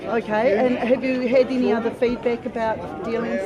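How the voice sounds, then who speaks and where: A loud crowd fills the space around a reporter. The questions are casual and unscripted, with slightly hesitant phrasing. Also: medium pitch, flat delivery, normal speed. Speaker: reporter interviewing a local. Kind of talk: informal spontaneous interview questions. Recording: very noisy crowd around interview.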